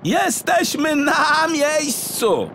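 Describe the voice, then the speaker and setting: Slow, high-pitched croaking frog official. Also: male voice, big pitch swings, background noise, heavily acted. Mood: polite. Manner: drawn-out, courteous, theatrical. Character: smug, mysterious croaky male frog official. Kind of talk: audiobook character acting for children.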